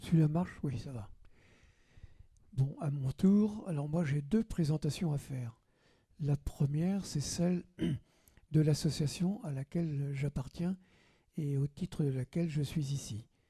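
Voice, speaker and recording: A man with a fairly high pitch and a dark, mellow, somewhat breathy tone speaks at a fairly slow pace with ordinary pitch variation and long, frequent pauses, in a dry, close sound with no echo over a very clean, silent background. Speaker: war veteran. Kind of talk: testimony. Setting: school panel with audience.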